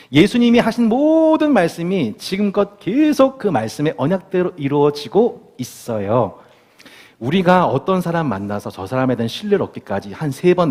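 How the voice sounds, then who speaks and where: Lively man preaching in a reverberant church. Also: fairly high pitch. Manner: asks the congregation questions, playful and animated. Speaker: pastor. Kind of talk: sermon. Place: church sanctuary.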